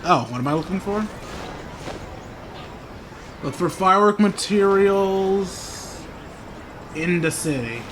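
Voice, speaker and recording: A man's voice: high-pitched, expressive, takes it slowly, pauses often, background noise. A man giving casual, playful and opinionated commentary as he plays through a game. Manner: playful, opinionated, repeats himself. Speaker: gaming YouTuber.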